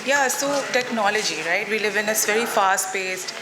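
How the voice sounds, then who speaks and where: A woman's voice: medium pitch, moderate pace, noisy background. A woman moderating an on-stage interview, asking questions in a conversational style. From Pakistan. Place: literature festival stage before an audience. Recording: echoey reverberant festival sound with crowd.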